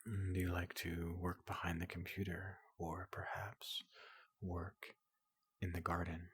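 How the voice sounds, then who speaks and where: A man playing a big, gentle robot doctor in a soothing ASMR roleplay, speaking in a hushed, breathy half-whisper with a polite, reassuring manner. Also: low-pitched, monotone, dry recording, full character voice. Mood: gentle, inquisitive. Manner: slow, gentle, reassuring, repeats questions softly.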